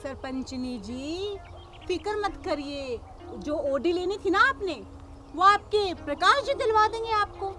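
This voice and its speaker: Actress as a young village daughter-in-law policewoman, defiant and preachy, bright high voice. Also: animated, normal speed, a little hiss or hum, full character voice. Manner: combative, lecturing, repeats "samajh gaye".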